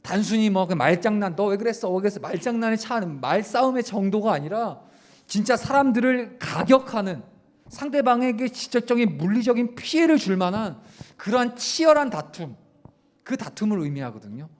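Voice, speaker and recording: Young man preaching a lively youth sermon. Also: high voice, normal speed. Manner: lively preaching, swings between raised emphasis and quiet asides; addresses listeners directly with questions. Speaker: youth pastor. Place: church service.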